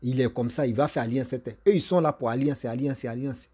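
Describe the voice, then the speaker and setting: A man with an Ivorian accent and a somewhat husky voice presents informal commentary. He speaks straight to his audience at a medium pitch, repeating phrases for emphasis. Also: quick pace, mellow. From Ivory Coast. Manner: repetitive, emphatic, addresses viewers directly. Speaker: online video commentator and presenter.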